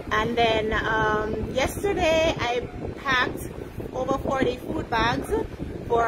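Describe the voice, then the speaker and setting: A woman's fairly slow speech over loud background noise. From Jamaica. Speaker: guest, churchgoer volunteer. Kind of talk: casual live-stream chat. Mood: cheerful, smiling. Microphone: phone near.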